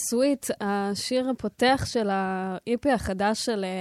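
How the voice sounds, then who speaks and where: A woman talks at a very slow pace in a fairly high pitch. Her pitch variation is ordinary. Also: dry, close sound with no echo, very clean recording, silent background. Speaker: radio host. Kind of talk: radio interview. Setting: radio studio.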